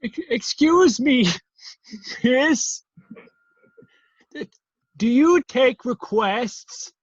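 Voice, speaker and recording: An actress playing an oblivious, intrusive patron in a comedy sketch, with a halting, drawn-out delivery. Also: female voice, sits high, lively intonation, husky, no room sound, muffled recording, heavily acted. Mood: eager, intrusive. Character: oblivious intrusive patron asking for song requests. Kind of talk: virtual staged comedy sketch reading.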